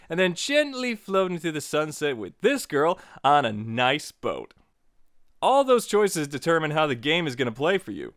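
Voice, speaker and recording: A man's voice: fairly high pitch, a bit bright, no room sound, clean studio sound. A man narrating a scripted but casual tutorial as its host, with playful, joking asides.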